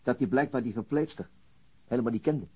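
Husky, worn-out police investigator played by an actor. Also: male voice, mid-range voice, brisk, mellow, natural voice. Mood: businesslike. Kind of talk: naturalistic Dutch radio drama acting.

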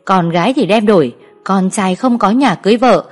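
A woman's voice: medium pitch, moderate pace, soft background music, lightly acted. A woman reading a story aloud, voicing a tired, indebted village father who pleads in a defeated way. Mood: weary pleading.

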